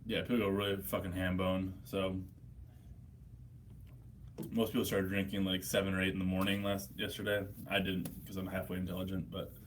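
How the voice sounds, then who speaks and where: Hungover American man with a lowish voice. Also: flat delivery, fairly quick, slight background noise. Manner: profane, blunt, slangy. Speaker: livestream host. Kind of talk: casual livestream chat answering viewers' questions.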